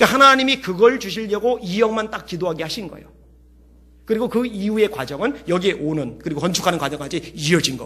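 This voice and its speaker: The voice is raised and projected, moving at a very fast pace with lively intonation and big swings in loudness. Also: man, high pitch for a man. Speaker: pastor. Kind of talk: sermon. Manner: animated.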